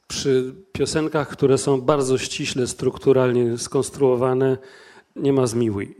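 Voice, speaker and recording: A man's voice: medium pitch, dark tone. A man answers audience questions as a translator on a panel. His voice sits in an ordinary middle range, and he talks thoughtfully, with frequent restarts and fillers.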